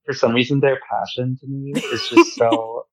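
A man's voice: medium pitch, sing-song, normal speed, dry recording. A man calling in to co-host a casual chat, his voice coming through a muffled phone line that sounds like a wind tunnel as he talks in an eager, rambling way. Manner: eager, rambling fan talk. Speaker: podcast co-host. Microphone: phone call.

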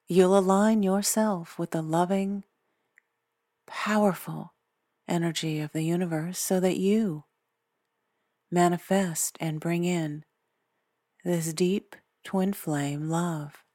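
A woman leading a guided meditation in a soothing, deliberate way, pausing often between short phrases. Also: on the low side, steady tone, no room sound, clean studio sound. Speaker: meditation guide, podcast host. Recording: background music. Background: soft instrumental music.

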